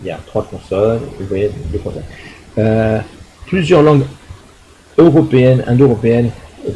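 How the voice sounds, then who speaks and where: A man's voice: fairly low pitch, warm tone, a little hiss or hum, poor audio. Hesitant man giving a lecture. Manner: hesitant, many fillers and restarts; explanatory, checks understanding with tag questions. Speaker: university lecturer. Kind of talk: recorded lecture.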